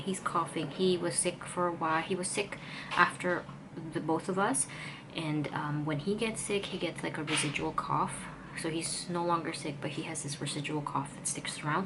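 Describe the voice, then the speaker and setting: Casual vlogger, woman, thirties, light Filipino accent, lowish voice, rambling, noisy ambience. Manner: rambling, chatty, loses her train of thought. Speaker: vlogger and artist. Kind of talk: casual vlog chat. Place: home studio and walking outdoors.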